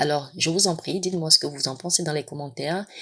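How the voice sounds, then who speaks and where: This woman's voice sits very deep and low, with fairly even intonation. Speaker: podcast host. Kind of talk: solo podcast monologue. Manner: hesitant, many fillers.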